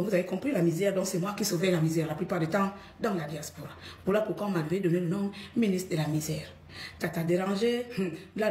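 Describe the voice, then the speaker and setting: A woman's voice: lowish voice, a little mellow, reverberant, slight background noise. A middle-aged woman from Gabon with a Cameroonian accent, scolding her followers bluntly in a live stream.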